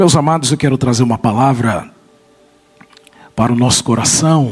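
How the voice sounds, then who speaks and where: Music in the background under a man's medium-pitched voice, very even in loudness, with ordinary pitch variation and a moderate pace. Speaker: preacher. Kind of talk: sermon.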